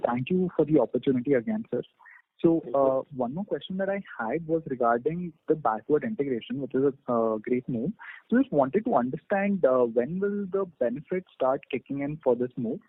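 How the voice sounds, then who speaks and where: A man's voice: medium pitch, lively intonation, normal speed. A male research analyst politely asking questions on an earnings call over the phone. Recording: dry narrow phone line.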